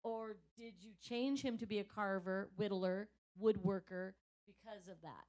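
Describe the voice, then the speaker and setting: A woman's voice: medium pitch, unhurried, darkish tone, low-quality recording. A woman in the audience at a library event asking an author an enthusiastic, talkative question. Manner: enthusiastic, talkative, self-described big voice.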